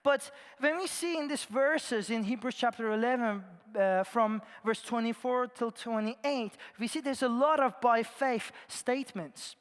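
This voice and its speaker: A man from Iran, preaching a sermon in an earnest storytelling way, his phrases often trailing off softly at the ends. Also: extremely high pitch, a little slow, few pauses, smooth. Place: large church. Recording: long church reverb.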